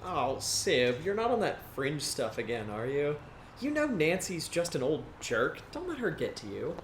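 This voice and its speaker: A man's voice: fairly high pitch, big pitch swings, moderate pace. A man playing a friendly, teasing young small-town guide in an audio drama, with a breezy manner. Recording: roomy, noisy ambient sound.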